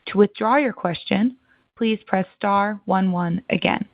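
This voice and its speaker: A woman operator reads scripted call announcements in a creaky, mid-pitched voice. She comes over a dry, tinny phone line. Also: measured pace, no echo.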